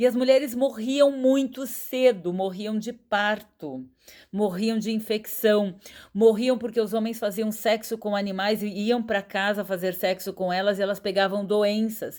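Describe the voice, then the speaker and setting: A woman speaks in a normal speaking voice, pitched fairly high, with ordinary pitch variation. Her pace is fairly slow, and the recording is very clean with a silent background. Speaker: astrologer. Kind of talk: live stream talk. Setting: live stream.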